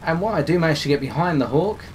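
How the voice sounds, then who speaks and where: A man commentating over his own game footage, slightly hoarse as he is losing his voice, explaining tactics with frequent restarts. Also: a little high, animated, very fast, slight background noise. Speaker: gameplay commentator.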